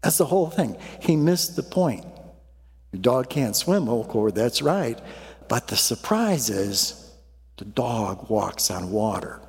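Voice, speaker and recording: A male pastor tells a folksy, chuckling story from the pulpit to open his sermon. His voice sits in a middle pitch and carries a long reverb from the church hall around him. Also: very animated, slow pace, creaky.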